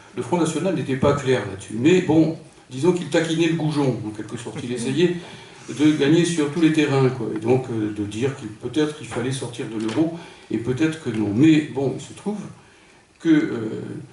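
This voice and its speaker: Speaking at a moderate pace with a medium pitch and ordinary pitch variation, a man's voice swings greatly in loudness, with audible room echo and noticeable background noise. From northern France (Pas-de-Calais). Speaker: political speaker. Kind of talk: lecture. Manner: hesitant, many fillers.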